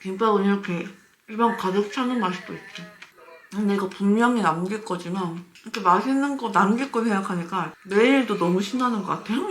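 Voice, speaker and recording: This mukbang vlogger speaks fairly quickly at a medium pitch, chatting informally with viewers while she eats. Her mouth is often full, and she drops in quiet, savoring remarks. The audio carries a roomy echo and faint clicking noise.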